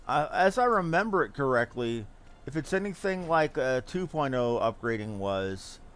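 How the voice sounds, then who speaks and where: A man's voice: mid-range voice, big pitch swings, moderate pace, fairly bright tone, clean tone. A man giving casual, rambling gameplay commentary as a streamer, thinking aloud as he goes. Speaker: game streamer. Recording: game music behind voice. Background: video game music.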